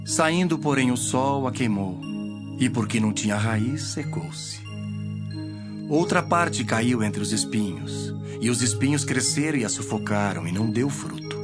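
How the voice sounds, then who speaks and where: A man playing Jesus as a solemn, measured teacher in a dramatized audio Bible. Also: mid-range voice, animated, lightly acted. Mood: solemn teaching. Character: Jesus, solemn teacher telling parables to followers. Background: music.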